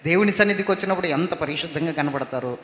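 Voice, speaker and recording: A man preaches with a high, bright and forceful voice, pressing each point again and again. His voice rings through an echoey church hall with a long tail of reverb. The sound is somewhat dull and muffled. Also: fast talker. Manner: emphatic preaching with repeated calls for praise. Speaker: pastor. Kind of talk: sermon.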